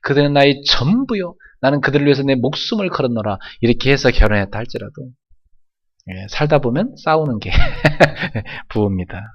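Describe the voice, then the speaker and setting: A man of middle pitch preaching to his congregation in a church. He keeps asking them to answer back and repeat his lines, and his voice drops low for asides before climbing into loud, ringing cries. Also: animated, normal speed, lo-fi sound. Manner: emphatic preaching with call-and-response prompts; swings from soft asides to loud exclamations. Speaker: pastor. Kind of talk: sermon. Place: church sanctuary.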